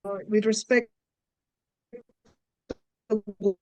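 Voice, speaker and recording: A woman mayor from the Philippines, speaking in halting, formal phrases on a video call while her audio keeps cutting in and out. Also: medium pitch, little pitch movement, no echo. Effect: audio cutting in and out from a bad connection. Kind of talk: sharing experience on a video call.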